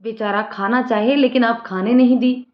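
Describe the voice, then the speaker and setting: A woman voicing a young divorced woman who speaks in a soft, earnest and resolute way. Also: fairly high pitch, steady tone, normal speed, lightly acted. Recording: roomy lo-fi room sound.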